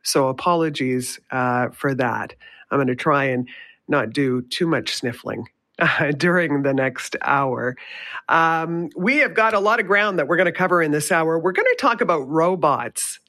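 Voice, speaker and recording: A woman's voice: low voice, animated, a little slow, fairly bright tone. A woman guest-hosting a talk radio show, chatty and upbeat, sounding nasal from a summer cold. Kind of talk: casual talk radio chat.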